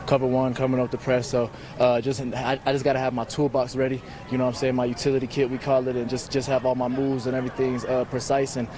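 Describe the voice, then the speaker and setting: A man's voice: medium pitch, little pitch movement, quick pace, hardly any pauses, darkish tone, slight background noise. A man answering interview questions as a football player. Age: 20s.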